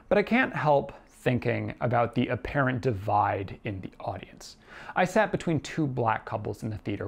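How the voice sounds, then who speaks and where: A man's voice: medium pitch, gravelly. A man in his thirties giving a conversational, scripted theatre review, arguing both sides with himself in an opinionated, emphatic manner. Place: small indoor room with shelves and TV. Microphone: lapel mic.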